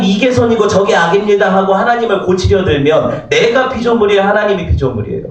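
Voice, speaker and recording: A male pastor preaching a sermon, throwing many rhetorical questions at the congregation. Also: sits high. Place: church sanctuary. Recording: roomy, distant, dull church recording.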